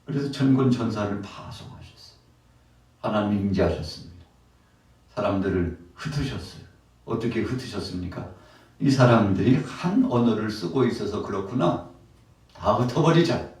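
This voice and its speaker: A man's voice: fairly low pitch, animated, moderate pace, darkish tone. A male pastor preaching a Wednesday sermon, building to emphatic peaks and addressing the congregation directly. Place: church sanctuary. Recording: very echoey church hall, voice from a distance.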